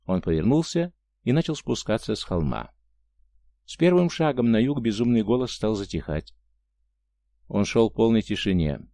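A man narrating an audiobook in a steady, measured reading. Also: on the low side, no echo. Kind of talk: audiobook narration of science fiction.

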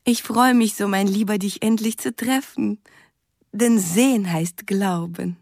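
A woman's voice: medium pitch, measured pace, darkish tone, dry recording, clean studio sound. An actress playing an adoring woman in love, reading her letter in a yearning way for a radio drama. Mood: yearning, loving.

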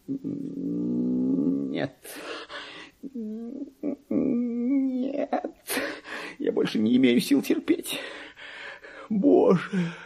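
Radio drama casting: deranged petty clerk with royal delusions; husky, theatrical, deliberate pacing with huge swings in pitch. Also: male voice, exaggerated voice. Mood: anguished, pleading. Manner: theatrical, volatile, swinging from hushed muttering to anguished outcry. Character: deluded, tormented madman clerk who believes himself king. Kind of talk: dramatic radio monologue reading of classic literature.

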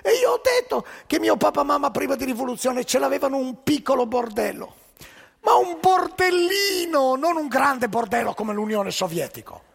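A man's voice: very high voice, big pitch swings, normal speed, vocal fry, husky, in a large hall, pitched above the performer's own voice, full character voice. A man voicing a whining, cheeky Jewish man in a joke, speaking broken Italian.

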